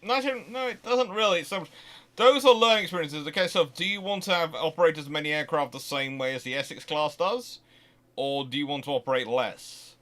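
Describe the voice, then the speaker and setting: He speaks briskly in a voice on the high side with a fairly bright tone. As host of a casual live Q&A on naval history, he answers viewers' questions conversationally, drifting into digressions and posing rhetorical questions along the way.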